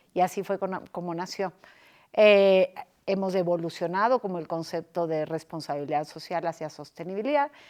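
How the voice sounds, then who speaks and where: With a slight Argentine accent, a woman speaks at a moderate pace with a fairly low pitch and ordinary pitch variation, on a very clean recording with a silent background. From Argentina. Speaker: director of a sustainability business association. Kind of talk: interview.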